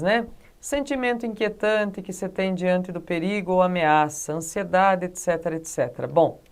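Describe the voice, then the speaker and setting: Chatty Brazilian teacher woman. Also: mid-range voice. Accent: Brazilian Portuguese. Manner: chatty, keeps checking in with the class. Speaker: Portuguese teacher. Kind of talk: video lesson.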